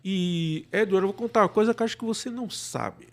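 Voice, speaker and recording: Brazilian man with a creaky, higher-pitched voice. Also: fast talker. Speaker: podcast guest, radio drama producer. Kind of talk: casual interview talk.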